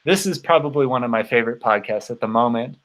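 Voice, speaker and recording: A man in his thirties chatting casually as host of a livestream, halting and rambling, his voice tired from long talking. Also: medium pitch, a bit bright. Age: 30s. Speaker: host of a bicycle touring channel.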